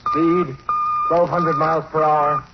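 A man's voice: fairly high pitch, steady tone, slow, very noisy. An actor playing a polite, eager man in formal, precise old-time radio science fiction. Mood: urgent, precise. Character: polite, eager male space-age radio drama character. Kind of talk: 1940s radio acting. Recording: dull vintage radio, loud music, bleeps.

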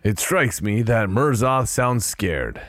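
A man's voice: lowish voice, animated, slow pace, fairly bright tone, dry recording. A man narrating an audio drama in the first person with a dry, sardonic manner.

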